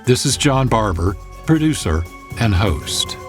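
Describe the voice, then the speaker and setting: A man, producer and host, reading scripted credits in a measured, formal way. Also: fairly low pitch, big pitch swings, over music. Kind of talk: scripted outro announcement.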